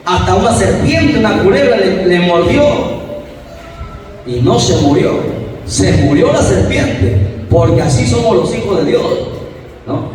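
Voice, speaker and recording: A man preaching an interactive sermon, emphatic and swinging between loud and soft, who questions the congregation and calls on members by name. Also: high voice, expressive, a little slow, pauses often. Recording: echoey hall, far from the mic, faint noise.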